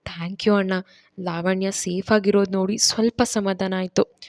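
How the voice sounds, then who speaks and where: A gentle, caring young sister from an audio story, voiced by a woman narrator. She speaks softly and consolingly. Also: medium pitch, fairly even intonation, a little slow, dry recording, studio quality, lightly acted. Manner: soft, consoling.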